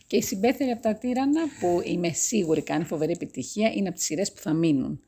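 A woman's voice: on the low side, mellow, breathy edge. A woman interviewing a guest in a chatty way, laughing often and talking over him. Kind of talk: casual interview chat.

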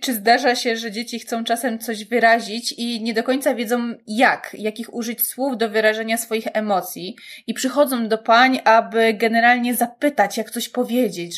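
A woman hosting a discussion and asking a guest questions politely and formally. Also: on the high side. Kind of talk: interview questions.

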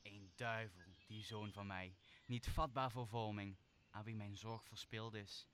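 A stern sorcerer bent on revenge, acted by a man in a radio drama. His voice is fairly low, solemn and commanding, with faint noise behind it. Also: steady tone, unhurried, a bit bright. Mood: bitter, vengeful. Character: commanding, vengeful magician master of spirits. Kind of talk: radio play acting of Shakespeare.

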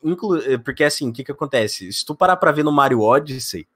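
A young man from Brazil, a podcast guest and video editor, talking in a fast, excitable way full of slang. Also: fairly high pitch, no room sound. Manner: excitable and talkative, heavy slang. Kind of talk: casual podcast chat.

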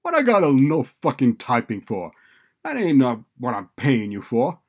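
Man acting an angry, defiant young tough, loud. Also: medium pitch, wildly swooping pitch, normal speed, voice pushed up. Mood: enraged. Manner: insolent, profane, street-slang swagger. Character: angry, defiant young male student and petty drug dealer.

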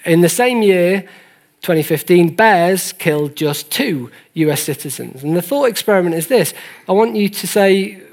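A man's voice: high voice, lively intonation, moderate pace. A man lecturing in an earnest, didactic way, stressing key points as he explains figures to an audience. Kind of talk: explanatory presentation of statistics to an audience.

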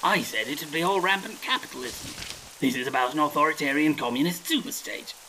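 An actor playing a flustered, skeptical writer in an audio comedy, pedantic and incredulous. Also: male voice, fairly high pitch, lively intonation, brisk, noisy background. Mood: baffled. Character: flustered, skeptical male English writer, indignant and precise. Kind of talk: comedy audio drama acting.

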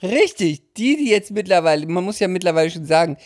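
A woman co-hosting a podcast, chatting in a dry, teasing, deliberate way. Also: on the low side, expressive, darkish tone. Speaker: podcast co-host. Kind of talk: casual chat.

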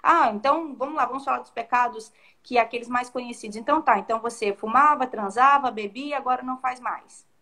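A woman talks through a scripture passage in a casual devotional chat. Her voice sits a little high and sounds bright and forward. She is reflective and slips into acted-out quotes with shifting tones. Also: a little fast, hardly any pauses. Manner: reflective, acts out quoted speech in varied tones. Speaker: co-host of a Bible discussion.

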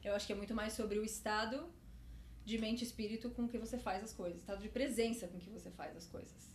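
A podcast co-host chats casually in a medium-pitched, fairly even voice, talking fast. She sounds hesitant, searching for words as she thinks aloud, and the recording is roomy with faint noise.

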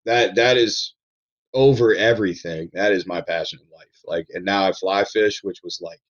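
A low-voiced man from Maryland chats on a podcast, circling back over his words and swearing bluntly now and then. The sound is dull and a bit lo-fi. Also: normal speed. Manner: rambling, animated, with frequent restarts and blunt swearing. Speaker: podcast guest, chef. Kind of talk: casual podcast chat.

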